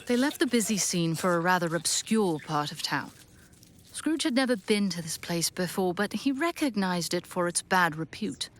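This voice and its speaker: A woman narrating a Victorian audio drama in measured, deliberate, weighty phrases. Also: fairly low pitch, animated. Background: soft ambient soundscape.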